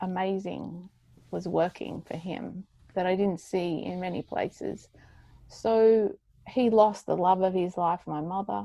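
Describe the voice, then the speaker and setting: Over a quiet background, a woman with an Australian accent speaks at a fairly slow pace in a dark, mellow tone, at a medium pitch with ordinary pitch variation. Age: 60s. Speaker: pastor's daughter. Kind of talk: interview.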